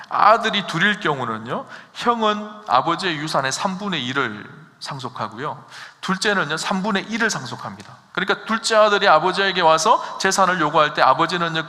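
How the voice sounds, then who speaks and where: Bright-voiced male pastor preaching in a hall. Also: a little high, expressive, a little fast, few pauses. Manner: preaching with rhetorical questions to the congregation, rising to emphatic peaks. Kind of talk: sermon. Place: church sanctuary. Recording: long hall reverb.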